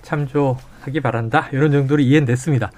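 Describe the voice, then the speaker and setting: A man hosting a talk show and moderating a political debate, prompting guests in a brisk, steady way. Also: medium pitch.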